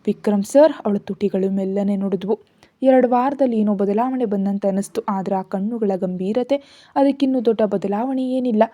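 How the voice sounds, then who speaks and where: A woman reads a story aloud in a scripted narration style, with a mellow, soft-edged tone at an ordinary pitch. She voices all the characters' lines herself. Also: normal speed. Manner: reads all characters, raising her voice for dialogue.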